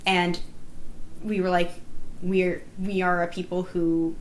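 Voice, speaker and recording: A woman's voice: lowish voice, level tone, slow, poor audio. A woman recounting events in a group discussion, speaking in an emphatic, indignant, storytelling way. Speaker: player recounting a live-action roleplay game. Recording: noticeable background noise.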